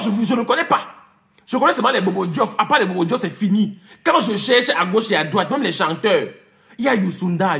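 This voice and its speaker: Animated guy doing a jokey rant for his viewers, high bright voice, jumps all over, laughs mid-sentence. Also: gravelly. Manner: animated, teasing, repeats names, mixes in English; laughs while talking. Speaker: vlogger. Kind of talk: comic rant to camera.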